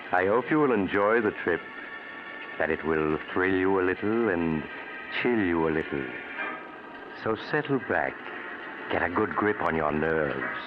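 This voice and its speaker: Creepy teasing old-radio story host, low and slow, dull noisy recording. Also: male voice. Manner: ominous, teasing, slow and deliberate. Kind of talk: 1940s radio drama narration.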